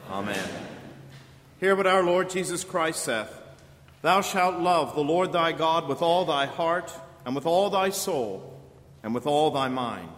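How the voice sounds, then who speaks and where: Solemn priest in cathedral echo. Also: male voice, on the high side, lively intonation, a bit bright. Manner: solemn, measured, intoning. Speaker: priest leading a church service. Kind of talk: formal liturgical prayer and reading. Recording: long church reverb, faint room hiss.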